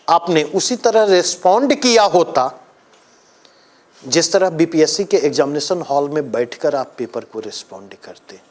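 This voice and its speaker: A man teaching an exam coaching class, lecturing emphatically and putting questions to his students. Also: fairly high pitch.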